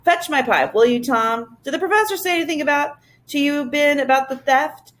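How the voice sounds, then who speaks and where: A woman voicing a middle-aged father who talks in a brisk, matter-of-fact way. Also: high voice, fairly bright tone, pitched above the performer's own voice.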